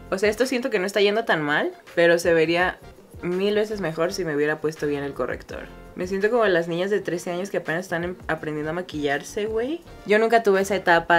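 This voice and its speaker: A young woman with a Mexican accent chatting casually through a makeup tutorial, self-mocking and swearing freely. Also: on the low side. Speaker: beauty vlogger.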